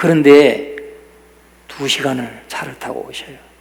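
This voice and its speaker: Fairly slow in pace, a man speaks through noticeable background noise and audible room echo. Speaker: senior pastor. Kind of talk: sermon. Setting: church. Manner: animated.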